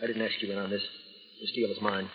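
A man's voice: fairly low pitch, little pitch movement, fast talker, husky. An American actor playing a hard, scheming man turned thief, with a brusque manner, in 1940s radio drama style. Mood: hard, impatient. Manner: curt, brusque. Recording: dull, slightly noisy vintage radio broadcast.

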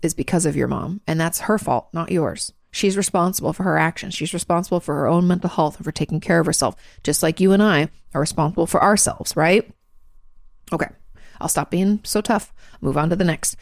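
A congested American woman with a low, gravelly voice hosts a podcast and answers listener questions. She talks frankly and earnestly in a loose, casual way, with plenty of ums and restarts. Her voice is recorded close up and dry, with no room sound. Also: brisk, no echo. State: congested, clearing her throat. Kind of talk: casual advice talk.

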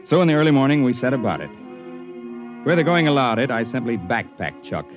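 An actor narrating as a tough, plain-spoken mountain climber in a 1950s radio drama, on an old broadcast recording with faint music. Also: male voice, mid-range voice, very animated, brisk, highs cut off, natural voice. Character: tough mountain climber, grown man, dry humor. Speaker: narrator and lead.

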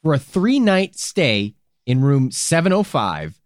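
A man's voice: mid-range voice, slow pace, no room sound. Guy cohosting a true crime podcast, jokey and swears, voice swings all over, dry sound. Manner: animated, jokey, swears casually. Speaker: podcast co-host.

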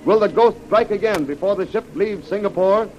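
A man's voice: high voice, brisk, a little mellow. An American man reading a script as an old-time radio announcer, dramatic and declamatory. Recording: muffled, noisy old radio recording.

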